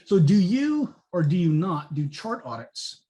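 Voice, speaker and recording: A man's voice: sits high, sing-song, unhurried, warm tone. A man hosting a business podcast, blunt and opinionated, breaking into crude rants to give the audience advice. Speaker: podcast host. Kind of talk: conversational business interview.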